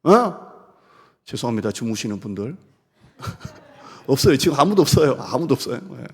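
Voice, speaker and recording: Man, pastor, sermon, gravelly husky voice, long church hall reverb. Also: mid-range voice, big pitch swings, moderate pace. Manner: swings from loud scolding to soft tender speech. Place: church sanctuary.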